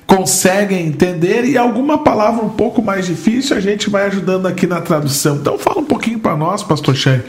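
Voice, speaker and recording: A man's voice: sits high, lively intonation, brisk, few pauses. A man with a Brazilian accent hosting a conversational religious interview. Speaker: host. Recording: echoey room with music behind.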